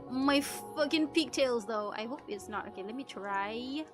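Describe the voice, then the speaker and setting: Female game streamer, higher voice, unhurried casual chat with muttered asides and music behind. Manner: mutters to self, exclaims, mixes in Japanese phrases. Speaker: streamer voicing a visual novel.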